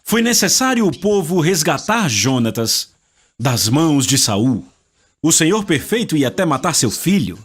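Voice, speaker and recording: Lively preacher guy, fairly high voice, swoops up and down, acts out the bible characters. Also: measured pace, breathy edge. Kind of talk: sermon.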